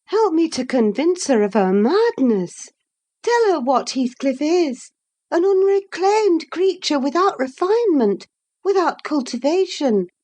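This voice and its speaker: Woman doing haughty young lady, emphatic, high and lively, for a storybook reading. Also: full character voice. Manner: emphatic, cutting, declamatory. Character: proud, scornful young noblewoman, emphatic. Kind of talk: audiobook dialogue reading.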